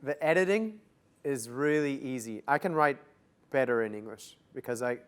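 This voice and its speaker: Relaxed young Canadian-born man. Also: mid-range voice, normal speed, smooth. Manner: relaxed, loose, many "like" fillers. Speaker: interview guest. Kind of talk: casual interview answers.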